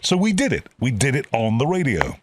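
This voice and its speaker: A man's voice: mid-range voice, huge pitch swings, fairly quick, a little hiss or hum. A man hosting a casual interview, eager and repeating words as he talks. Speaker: interview host.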